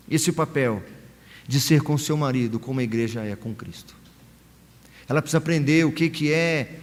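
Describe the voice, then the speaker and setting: A male pastor with a Brazilian Portuguese accent preaching a sermon, pausing often and acting out short quoted lines. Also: high voice. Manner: preaching with many pauses and acted quotes. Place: church sanctuary. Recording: long hall reverb in church.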